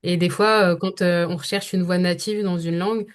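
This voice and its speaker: A woman's voice: fairly low pitch, fairly even intonation, moderate pace. A young French woman, a voice-over actress, talking through her career as a podcast guest, thoughtful and full of hesitations. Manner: thoughtful, many hesitations and restarts. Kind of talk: podcast interview conversation.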